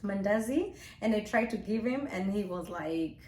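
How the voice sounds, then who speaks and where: A woman's voice: medium pitch, lively intonation, moderate pace, warm tone. A woman from Kenya with a Kenyan accent, telling personal stories in a casual chat and often laughing. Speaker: guest. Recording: echoey room, faint noise.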